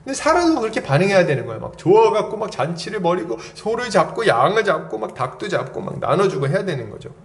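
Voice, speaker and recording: Lively, high-pitched male pastor preaching. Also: quick pace, few pauses. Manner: lively storytelling with rhetorical questions. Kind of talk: sermon.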